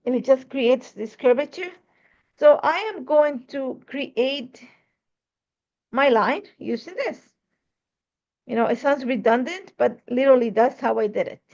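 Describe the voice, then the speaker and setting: Woman from Ecuador, crafting tutorial host; chatty and rambling, self-correcting, slightly high with vocal fry. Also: darkish tone, muffled recording. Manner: chatty, rambling, corrects herself mid-sentence. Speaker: scrapbooking crafter demonstrating a layout. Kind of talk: casual craft tutorial talk.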